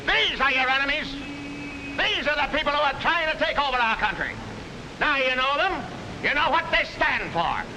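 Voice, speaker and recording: A man's voice: very high-pitched, very animated, moderate pace. A man playing a ranting, bigoted street-corner orator in a 1940s film. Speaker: soapbox speaker addressing a crowd. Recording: hissy 1940s film soundtrack.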